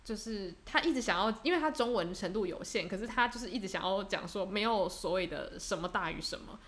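Fast-talking young woman podcast co-host. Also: medium pitch, expressive, a bit bright. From Taiwan. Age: young adult. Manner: reflective, many fillers and restarts. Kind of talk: casual chat.

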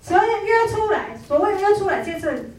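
A middle-aged woman gives a lively sales training talk, telling stories and acting out the people in them. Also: very high-pitched, fairly quick, distant mic, slight background noise. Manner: animated storytelling, acts out quoted people. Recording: echoey room, voice from off-mic.

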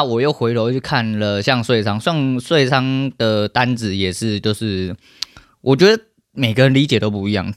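A podcast host with a Taiwanese Mandarin accent rants solo, heated and full of profanity. He talks at a rapid clip in a middling pitch. The sound is dry and close, with no room in it. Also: dry recording.

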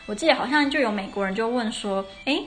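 A woman's voice: a little high, fast. A young woman hosts a casual podcast lesson. She explains things step by step and often corrects herself mid-sentence. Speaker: podcast host. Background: faint traditional Irish music.

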